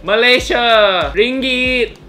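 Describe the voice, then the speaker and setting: A man's voice: extremely high pitch, slow pace, pushed and bright, faint music behind, pitched above the performer's own voice, exaggerated voice. A man putting on a Thai accent in English, using broken grammar and clipped phrases. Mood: playful.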